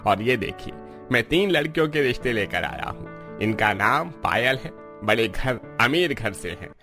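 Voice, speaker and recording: Brief: man as a jovial matchmaking priest, bright and forceful voice, genial. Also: lowish voice. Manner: genial and chuckling.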